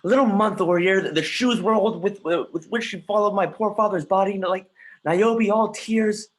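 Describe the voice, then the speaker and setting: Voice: medium pitch, moderate pace, close to an everyday voice, rough recording. An actor playing a grieving, bitter young prince in a livestreamed Shakespeare reading, with brooding, emphatic verse delivery. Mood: anguished, bitter.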